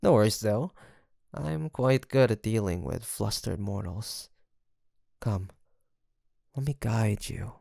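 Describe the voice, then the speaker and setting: Male actor as seductive male demon, gravelly, very dry close recording, theatrical, flirtatious, smug, intimate audio roleplay. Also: lowish voice, slow, long pauses, a little mellow, no echo, heavily acted. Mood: boastful, seductive. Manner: theatrical, drawling, flirtatious, with pet names. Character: seductive, teasing male incubus demon, smug and sweet-talking.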